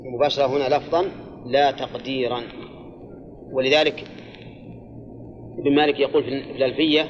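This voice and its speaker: Through dull audio, an older man with a flat, fairly quick mid-range voice teaches a class on grammar and exegesis. He goes step by step, repeats key phrases, and keeps asking his students questions.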